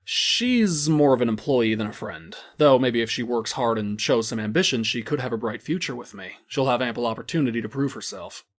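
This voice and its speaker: A man's voice: mid-range voice, expressive, brisk, hardly any pauses, close to an everyday voice. A man playing a cruel, theatrical crime boss in an audio drama, mock-courteous and condescending with menacing outbursts. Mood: smug, silky.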